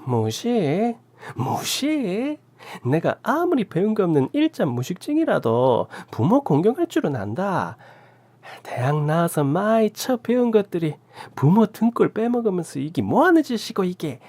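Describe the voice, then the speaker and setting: A woman's voice: low-pitched, huge pitch swings, slightly rough, voice pushed up, exaggerated voice. A woman voicing a tiny, hunched old aunt with a Gyeongsang accent who scolds and curses fiercely. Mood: ranting. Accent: Gyeongsang Korean. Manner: scolding, cursing, drawn-out shouts.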